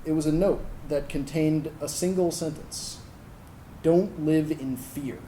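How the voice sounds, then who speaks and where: Guy playing gay young man remembering first love, mellow n earnest, slight background noise. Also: fairly high pitch, a little slow, close to an everyday voice, rough recording. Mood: tender, excited. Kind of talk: dramatic monologue in a staged reading.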